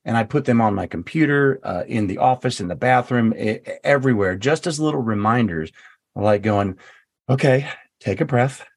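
A man's voice: fairly low pitch, no room sound, studio quality. A man, an author, telling personal stories in an interview, stumbling over and repeating words as he goes. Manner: halting, repeats words, animated when quoting himself. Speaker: author guest. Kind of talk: storytelling interview.

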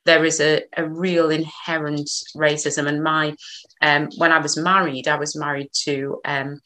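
A woman's voice: sits low, flat delivery, unhurried, bright, forceful tone, low-quality recording. A woman with a slight Geordie accent hosting an online discussion, chatty and a little hesitant. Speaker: host. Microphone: video call.

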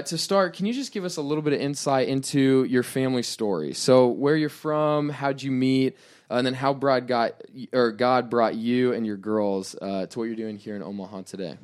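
A man, a pastor hosting a casual podcast interview and asking friendly, open questions. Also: mid-range voice.

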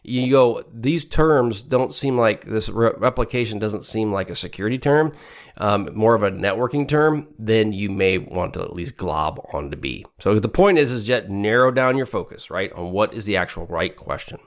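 A middle-aged man with a lowish voice and the stuffed-up sound of a cold. He talks through exam questions in a relaxed, conversational way, reading out each option before reasoning toward the answer. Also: moderate pace. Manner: casual and conversational, reads options then reasons aloud. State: congested from a cold. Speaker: podcast host and exam tutor.

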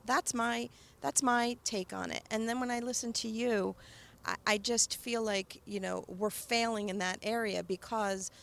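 Woman, interviewer, gravelly vocal fry, sincere and affirming, hesitant fillers, faint background noise. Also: a little high, fairly even intonation, a little slow, a bit bright. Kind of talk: casual interview conversation.

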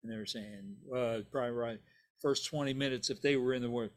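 Here a bassist guest, an older man whose first language is Italian, rambles through stories in a casual interview, leaning on "you know" and "right?". His voice sits at medium pitch and moves fairly quickly.

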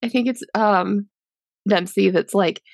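A woman's voice: medium pitch, unhurried, vocal fry, a little mellow, dry recording, clean studio sound. A woman co-hosting a podcast, chatting casually about a movie with lots of fillers and giggles. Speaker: podcast co-host. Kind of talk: casual movie review chat.

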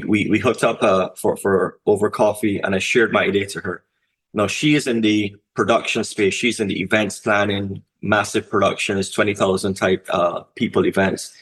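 A man from Barbados, co-founder of a conference, answering interview questions in a measured way with many restarts and fillers. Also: fairly low pitch. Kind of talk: podcast interview.

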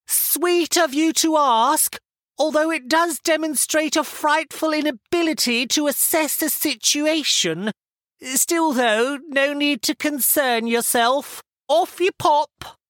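A man voicing a camp, theatrical gentleman with a plummy upper-class English accent and grandiose, over-dramatic delivery in an audiobook. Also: extremely high pitch, takes it slowly, no echo, studio quality, pitched above the performer's own voice, heavily acted. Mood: fussy, condescending.

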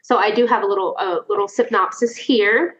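This book-podcast co-host is a woman with a medium-pitched, steady, fairly bright voice who speaks a little fast. She chats casually, laughs often and occasionally swears, in an echoey room with dull lo-fi sound.

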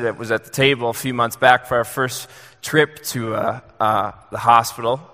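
A young adult man preaching a sermon in a church, earnest and halting, with many fillers and restarts. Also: mid-range voice, pushed and bright. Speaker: pastor. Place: church sanctuary. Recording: long hall reverb.

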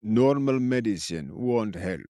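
Guy doing a creaky old forest watcher, slow and drawn out, swoops up and down, dry sound. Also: on the low side, lively intonation, warm tone, dry recording. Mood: mysterious. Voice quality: croaking, slow, theatrical. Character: cracked-voiced eccentric old male forest sentry.

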